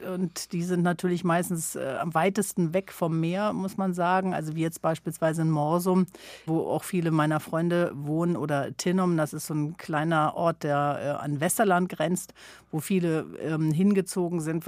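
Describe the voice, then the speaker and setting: A woman's voice: deep voice, a little mellow, no echo, clean studio sound. A woman in her fifties from northern Germany, a journalist answering interview questions in a reflective way with frequent hesitations. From Sylt, northern Germany. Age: 50s. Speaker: journalist and author, guest. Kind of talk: conversational radio interview.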